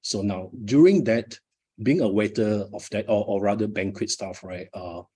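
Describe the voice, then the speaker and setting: A man's voice: on the low side, moderate pace, mellow, slightly rough. A middle-aged Malaysian man, a Malay native speaker, giving a live motivational talk at his book launch with frequent fillers and repeated words.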